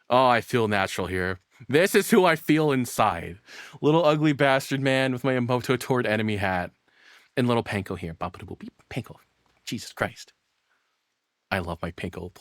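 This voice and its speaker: A man doing casual live reaction commentary as a streamer, excitable and rambling, swearing freely. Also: medium pitch, dry recording, clean studio sound. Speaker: VTuber streamer reacting to videos.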